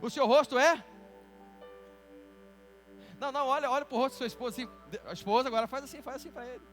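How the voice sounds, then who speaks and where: A Brazilian pastor with a very high voice preaches in a lively, teasing way and pulls the congregation into call-and-response. Soft music plays under his voice. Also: fast talker. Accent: Brazilian Portuguese. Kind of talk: sermon. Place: church.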